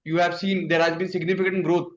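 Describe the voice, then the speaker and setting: A man with an Indian accent, a company executive, answers investors on an earnings conference call in a high, fairly flat voice and at a fast clip. The conference call line sounds muffled, with background noise.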